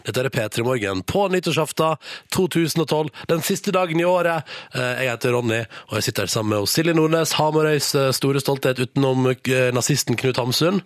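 A man from Norway hosting a radio morning show, animated and ranting in casual banter on a studio mic. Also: mid-range voice, dry recording.

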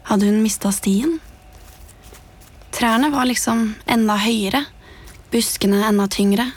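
Hushed woman telling a horror story. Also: medium pitch, husky. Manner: hushed, suspenseful, often dropping to a whisper. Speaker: podcast narrator. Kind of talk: scripted horror story narration. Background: music.

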